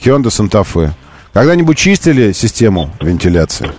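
A man hosting a live radio quiz show, chatting casually in a halting, self-correcting way with playful exasperation. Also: lowish voice, big pitch swings, a little mellow. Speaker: radio host.

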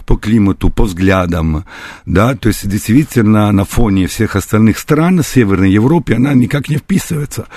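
Low-voiced man, halting. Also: a little mellow, no room sound. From Italy. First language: Italian. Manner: hesitant, many pauses and fillers. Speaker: guest, translator. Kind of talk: casual radio interview.

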